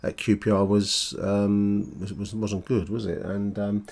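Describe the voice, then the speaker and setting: A man hosting a casual fan podcast, speaking in a halting, matey way and correcting himself as he goes. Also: fairly low pitch, level tone, vocal fry, a little mellow. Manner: halting, self-correcting, matey, tag questions. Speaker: podcast host.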